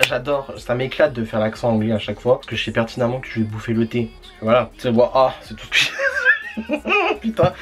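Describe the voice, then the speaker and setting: A man in a mid-range voice talks through a makeup review from home. His chat is loose and rambling, full of fillers and slang, and he often laughs at himself. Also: medium pitch. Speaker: beauty vlogger.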